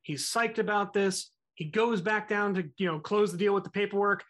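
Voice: medium pitch, moderate pace, a bit bright. Chatty podcast storyteller. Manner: conversational, acts out quotes, filler-heavy. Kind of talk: casual storytelling chat.

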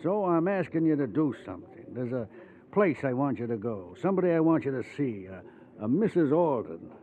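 An actor playing a kindly older convict and forger in a 1940s radio drama, earnest, wistful and halting. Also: male voice, medium pitch, big pitch swings, narrow, tinny audio, close to an everyday voice. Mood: earnest, pleading. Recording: thin, noisy old radio recording.

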